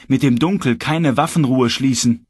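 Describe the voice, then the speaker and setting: A man's voice: medium pitch, normal speed, a little mellow, breathy edge, no echo, studio quality, close to an everyday voice. Man voicing a cold, relentless young magician. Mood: stern. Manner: stern, unwavering conviction. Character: cold uncompromising young male light magician.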